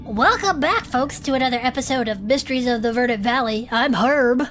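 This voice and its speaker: A woman voicing a gentle, earnest creature with a shell garden, sweet and a little fussy, in a comedic audio drama. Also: a little high, a little fast, soft background music, lightly acted.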